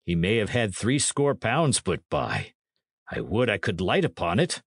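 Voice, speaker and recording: A man's voice: on the low side, wildly swooping pitch, a little slow, vocal fry, husky, no room sound, clean studio sound, full character voice. A man voicing a blunt, cheerfully grasping medieval soldier in an audiobook, with plain-spoken archaic speech. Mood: covetous, musing.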